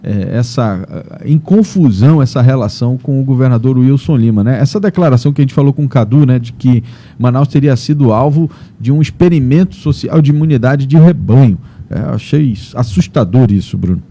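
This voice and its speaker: A man's voice: medium pitch, fairly quick, warm tone. A man hosting a morning news show, commenting in a conversational way, often tagging his sentences with questions. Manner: conversational, frequent "né?" tags and repetitions. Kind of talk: casual on-air commentary.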